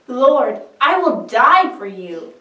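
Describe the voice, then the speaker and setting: A woman's voice: a little high, very animated, slow, bright, forceful tone, exaggerated voice. A woman playing a devoted male disciple pleading fervently with his master in a dramatic scripture reading. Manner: fervent, emphatic. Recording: echoey room, distant microphone.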